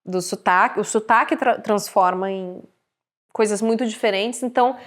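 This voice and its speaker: An actress with a Brazilian Portuguese accent, a guest in a casual interview, telling stories in an animated way and laughing often. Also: female voice, mid-range voice, moderate pace.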